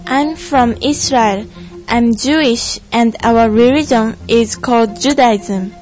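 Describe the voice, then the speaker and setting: A woman's voice: fairly high pitch, takes it slowly, darkish tone. A young woman playing an earnest Jewish panelist from Israel in a scripted student stage play, over music. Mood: earnest, didactic. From Japan. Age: young adult. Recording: music behind the voice.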